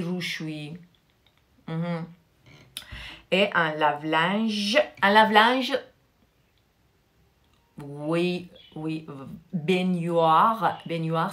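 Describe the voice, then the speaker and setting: A woman whose first language is Persian teaches French live online in a low, somewhat bright voice, alternating between the two languages. She repeats vocabulary slowly and stresses how each word is said.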